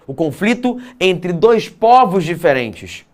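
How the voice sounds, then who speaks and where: A man teaching an exam-prep geography lesson, mixing clear explanation with casual asides and frequent tag questions. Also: sits high, big pitch swings, slow pace.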